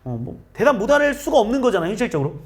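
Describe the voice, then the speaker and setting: A math teacher lectures his class in a casual, chatty way. His voice sits high for a man. He keeps turning to the students and playing out their answers himself. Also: very animated, quick pace.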